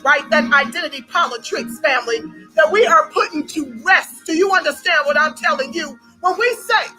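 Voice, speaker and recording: Woman host, rallying commentary, very high voice, faint music under it. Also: low-quality recording. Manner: animated, rallying, addresses listeners as family. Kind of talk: online commentary show.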